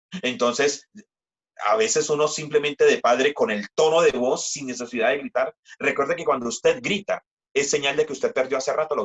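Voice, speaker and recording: With an ordinary speaking voice, a man talks at a fairly quick pace in a fairly high pitch with ordinary pitch variation. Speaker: pastor. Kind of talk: sermon.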